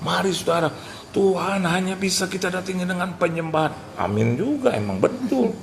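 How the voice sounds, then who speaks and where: Lively gravelly male preacher. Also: sits high, moderate pace. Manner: animated preacher who acts out dialogues and drops English phrases. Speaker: pastor. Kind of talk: sermon. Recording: noisy live sermon recording.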